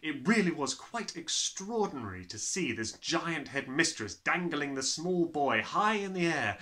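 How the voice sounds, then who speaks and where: A man's voice: a little high, unhurried. A young man reading a children's story aloud as a theatrical, dramatic narrator. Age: young adult. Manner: theatrical, animated.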